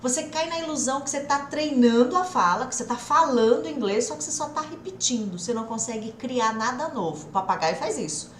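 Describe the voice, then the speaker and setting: A young woman with a Brazilian Portuguese accent giving a live online English lesson, energetic and teacherly, slowing down to drill example phrases and urging viewers to speak up. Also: high voice. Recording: echoey room, faint background noise.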